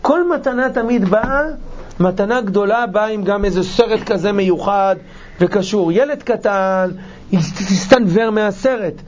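A high-pitched man delivers a heartfelt sermon and slips wry jokes in among the earnest parts. The recording sounds dull and lo-fi. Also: a little hiss or hum. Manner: passionate and emotional, with wry humor. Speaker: preacher.

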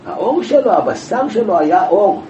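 Male Talmud teacher, animated storyteller, slightly high voice, roomy echo, background noise. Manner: animated, lively storytelling with many rhetorical questions. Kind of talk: Talmud class, explaining a passage. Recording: echoey room from far off, with background noise.

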